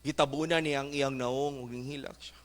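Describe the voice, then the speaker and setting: A man's voice: mid-range voice, fairly even intonation, fairly quick. A male pastor preaching a fervent sermon, mixing English exhortations into his talk. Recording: echoey church hall.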